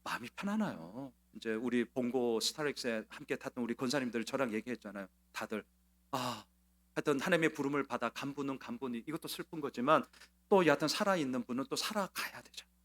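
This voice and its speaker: A man's voice: mid-range voice, quick pace, fairly bright tone. Male pastor telling a story in a sermon. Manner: conversational storytelling, quoting others in a changed voice; frequent "uh" fillers and repeated words.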